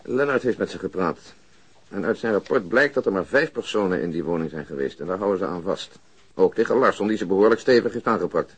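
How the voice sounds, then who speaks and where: A man's voice: sits low, expressive, quick pace, breathy edge. An actor playing a dry, unflappable policeman in a radio drama, matter-of-fact and needling towards his colleague. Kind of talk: Dutch radio drama acting, conversational.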